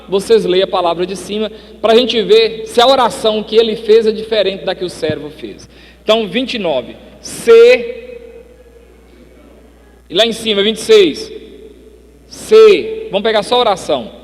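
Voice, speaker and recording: High-voiced preacher in a reverberant hall. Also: male voice. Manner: dramatic storytelling, swings from booming to hushed. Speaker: pastor. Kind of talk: sermon. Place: church hall. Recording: long church hall reverb.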